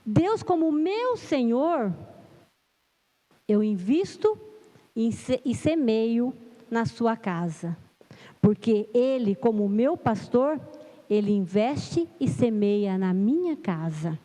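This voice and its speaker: A woman's voice: on the high side, lively intonation, takes it slowly, dark tone. A middle-aged Brazilian woman giving a sermon in church, nervous at the start, then earnest and emphatic. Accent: Brazilian Portuguese. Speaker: lay preacher. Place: church hall. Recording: long church-hall reverb.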